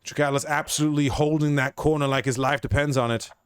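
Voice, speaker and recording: A man doing an excited, put-on British accent as a theatrical play-by-play caster for a tactical shooter match. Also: fairly high pitch, quick pace, a little hiss or hum, natural voice. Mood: hyped. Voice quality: hammy, theatrical hype delivery. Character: excitable male British-style game caster. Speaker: gameplay commentator.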